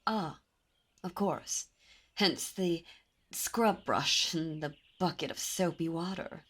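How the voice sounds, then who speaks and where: A haughty demon princess, voiced by a woman, teasing and imperious as she draws her listener close. Her voice sits a little low and moves at an unhurried, slow pace. Faint birdsong drifts in the background. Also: fairly bright tone, husky, exaggerated voice. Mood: intrigued. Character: haughty seductive female demon princess, commanding. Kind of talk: ASMR roleplay audio.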